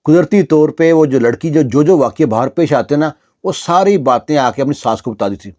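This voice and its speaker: A male storyteller narrates a village story in a chatty, meandering way. He uses plenty of fillers and restarts. His voice is mellow and sits a bit high. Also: lively intonation. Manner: conversational, repeats fillers.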